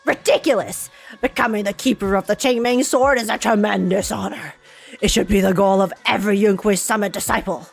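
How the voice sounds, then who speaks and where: A woman's voice: mid-range voice, a little fast, creaky, soft background music. Woman reading as a pompous, grumpy old male elder. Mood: scornful. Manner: pompous, scolding, formal. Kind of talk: reading game dialogue in character.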